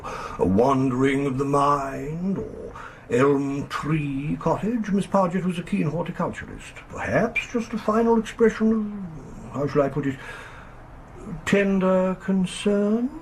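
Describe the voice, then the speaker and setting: A man's voice: on the high side, unhurried. A man acting a fussy, middle-aged solicitor in a radio play, speaking formally and hesitantly. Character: fussy, hesitant English male country solicitor. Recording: faintly noisy 1980s radio drama recording.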